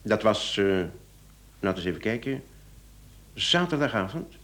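A man with a very animated, swooping voice a police inspector in a radio drama. He is chatty and apologetic, feigning bumbling politeness while slyly probing. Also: on the low side, moderate pace. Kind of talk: radio play acting.

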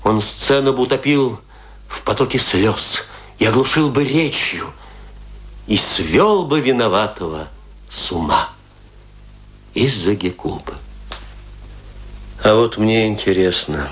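An actor playing a lonely, embittered, hard-drinking stage actor in a radio play, declaiming theatrically and broodingly with a husky voice. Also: male voice, fairly low pitch, a bit bright, exaggerated voice. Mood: bitter, agitated. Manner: declamatory, brooding, with rhetorical questions and long pauses. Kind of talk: theatrical dramatic monologue, Russian radio play.

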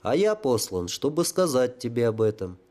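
A man voicing a cunning dead sapper who speaks smoothly and with authority. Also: mid-range voice, big pitch swings, normal speed, darkish tone, lightly acted. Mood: commanding.

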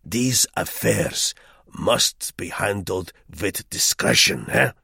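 A man voicing a pompous middle-aged German hotel guest who speaks slowly and weightily, with a confiding air. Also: fairly high pitch, sing-song, gravelly, a bit bright, slightly rough, dry recording, clean studio sound, pitched above the performer's own voice, heavily acted. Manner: weighty, confiding, slow-spoken.

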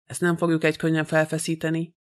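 Man reading fussy old detective, polite, flat monotone. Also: fairly high pitch, close to an everyday voice. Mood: urgent.

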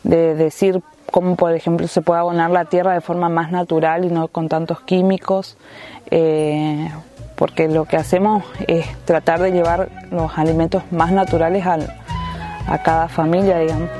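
A young woman farmer from Formosa, talking in a halting way with many fillers. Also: lowish voice, level tone, warm tone, faint music behind. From Formosa, Argentina. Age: young adult.

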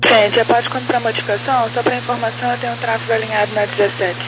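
Woman, air traffic controller, two-way radio, rapid, monotone, procedural, noisy channel. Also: fairly high pitch. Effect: aviation two-way radio.

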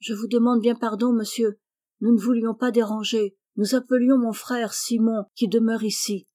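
A woman's voice: on the high side, little pitch movement, normal speed, dark tone, no echo, clean studio sound, natural voice. A woman reading the part of a polite, brave young country boy who reassures his cousin. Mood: earnest.

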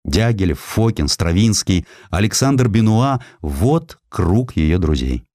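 A man reading a historical essay as a dramatic audiobook narrator, with expressive, measured literary phrasing into a close studio mic. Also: low-pitched, no echo. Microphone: close studio microphone.

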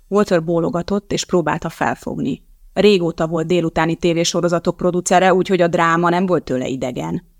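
An audiobook narrator reading a novel in an even, measured way. The voice has a gravelly edge and sits in a middle pitch. The recording is dry and close. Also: dry recording. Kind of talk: scripted narration.

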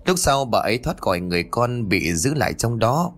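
A man voicing an eager, nervous young servant girl in a high, quick voice. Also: very animated. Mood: anxious.

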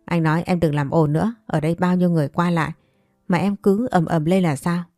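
A woman's voice: lowish voice, fairly even intonation, fast, mellow, no room sound, studio quality, soft background music, natural voice. A woman reading the part of an exasperated man who scolds his secret lover. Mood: scolding.

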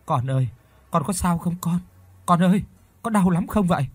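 A man voicing a distraught mother who cries and shouts while defending her son, in a storybook reading. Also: moderate pace, husky, dry recording. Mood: anxious tenderness. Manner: shrill, shouting in tears.

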